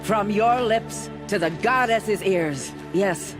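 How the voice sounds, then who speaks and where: A man playing a stern tribal war leader in a video game, giving a solemn, measured and commanding address. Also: high voice. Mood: grave, commanding. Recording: clear music behind the voice.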